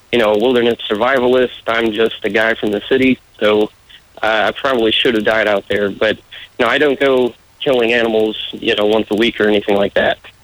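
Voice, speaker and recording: Over noticeable background noise, a man speaks at a medium pitch in a monotone, flat way. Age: 30s. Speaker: political candidate. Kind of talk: radio interview.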